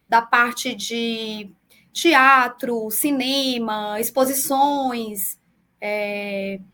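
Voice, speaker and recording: Speaking by video call in a remote interview, a public defender in her forties uses a high, light voice that's a bit bright. She explains things at a measured pace, dropping small fillers, in a Brazilian Portuguese accent blending southern and northeastern features.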